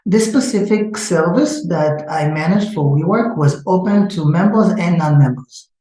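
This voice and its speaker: A man's voice: sits high, normal speed, dark tone, soft background music. Israeli-accented man, echoey room. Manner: hesitant, many filler sounds. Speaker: startup founder. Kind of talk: interview answers.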